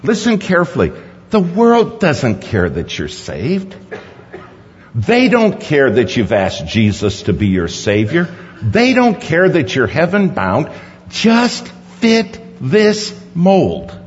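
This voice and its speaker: A man preaching a sermon in a large conference hall, emphatic, dropping to hushed low lines and rising to sudden high stresses, in a dull recording with long hall reverb. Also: wildly swooping pitch, unhurried, a little hiss or hum.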